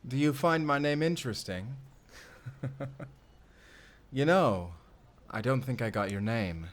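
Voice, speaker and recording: Male actor as menacing male villain, slow delivery, medium pitch, silky, theatrical, commanding, fantasy audio drama. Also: close to an everyday voice. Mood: smooth, curious. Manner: silky, theatrical, deliberate politeness turning commanding. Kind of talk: audio roleplay acting.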